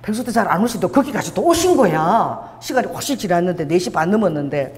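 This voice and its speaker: A woman pastor telling an animated story during a sermon, laughing at times. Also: lowish voice, fast, long reverb tail. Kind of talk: sermon testimony. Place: church hall.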